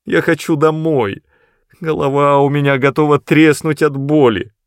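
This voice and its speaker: Male reader doing a scared whiny young man, begging, thin and high. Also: fairly even intonation, moderate pace, clean tone, no room sound, studio quality, close to an everyday voice. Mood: pleading. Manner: pleading, whining, higher-pitched. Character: cowardly frightened young man, whiny and pleading.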